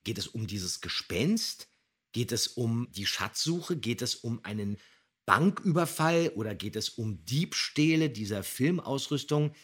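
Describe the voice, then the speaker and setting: A man's voice: mid-range voice, animated, unhurried, husky. A man co-hosting a podcast, thoughtfully explaining his views on audio dramas in casual talk. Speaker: podcast co-host.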